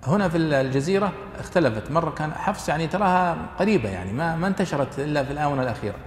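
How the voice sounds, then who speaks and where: A man teaching a class on Quranic exegesis, explaining points to students in a halting lecture style with fillers and restarts. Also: on the high side, animated. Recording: echoey hall, faint room noise.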